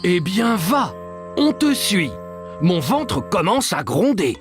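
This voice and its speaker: A man's voice: high-pitched, very animated, slow pace, faint music behind, full character voice. A man playing a kindly, patient and encouraging father or grandfather in a French children's cartoon. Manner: patient, reassuring, explaining simply.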